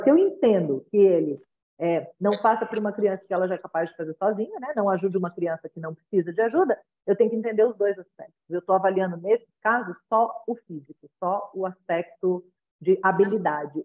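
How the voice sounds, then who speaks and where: A woman with a Brazilian accent, a parenting consultant advising parents in a conversational way, often checking in with tag questions and acting out little exchanges between parent and child. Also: medium pitch. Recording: tinny phone-like line.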